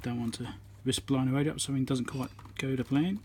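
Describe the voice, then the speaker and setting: A man with a medium-pitched, darkish voice speaks quickly and steadily while working through a hands-on electronics repair. His tutorial is informal and matter-of-fact, with thinking aloud. There's a little hiss or hum on the phone-on-tripod recording.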